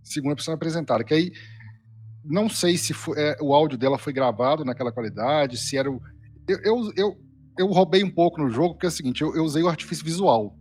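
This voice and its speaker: A man's voice: a little high, lively intonation, quick pace, a little mellow. Brazilian man giving a hesitant casual critique. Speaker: guest reviewer. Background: faint background music.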